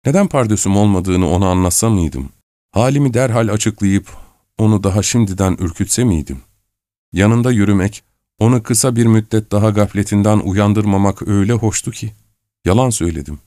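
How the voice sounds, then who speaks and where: Casting: male audiobook narrator, low and measured, dry close studio sound. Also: dark tone, dry recording. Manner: measured, introspective. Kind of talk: scripted literary narration.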